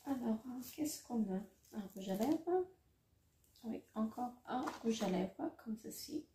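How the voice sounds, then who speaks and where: A woman's voice: fairly high pitch, expressive, takes it slowly, warm tone. A middle-aged woman vlogger unboxing beauty products in a casual, hesitant way, with many fillers and self-corrections. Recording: roomy echo, faint noise.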